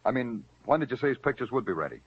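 An actor playing a hard-boiled police detective who narrates in a terse, dry, wisecracking manner, in 1940s radio acting. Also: male voice, medium pitch, very animated, very fast, slightly rough, no echo. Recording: dull lo-fi old radio recording with music.

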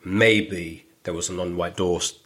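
Slowly and with plenty of animation, a middle-aged stand-up from northwest London spins stories as a relaxed podcast guest. His voice is low and husky with a London accent, and he acts out quoted voices now and then.

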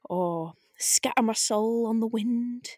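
A woman playing a taunting disembodied spirit in an audio drama table read, with a drawn-out, needling delivery. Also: a little high, darkish tone, no echo, studio quality. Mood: mocking, teasing. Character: taunting disembodied arcane spirit, silky and provoking.

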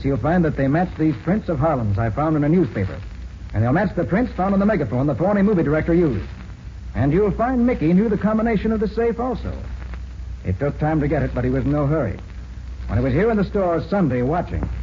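A man plays a confident, shrewd detective in a 1940s radio mystery. He speaks very quickly and crisply in a fairly high male voice, as if every fact is settled. The vintage recording is muffled. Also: lively intonation, a little hiss or hum, lightly acted. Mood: assured. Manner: assured, crisp, explanatory.

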